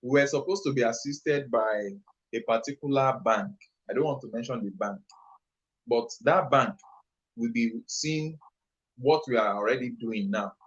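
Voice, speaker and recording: A man with a Nigerian accent speaks at an ordinary middle pitch, answering an interview question on a live stream. He talks with fervent, emphatic passion and rambles from point to point. The sound is a little muffled and lo-fi. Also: moderate pace. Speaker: entrepreneur and youth trainer, guest.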